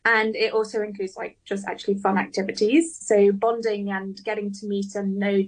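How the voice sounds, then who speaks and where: A woman's voice: mid-range voice, little pitch movement, normal speed. Woman guest a bit far from the mic, upbeat, lots of ums, explaining stuff. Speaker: guest, program organizer. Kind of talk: radio interview explaining a program.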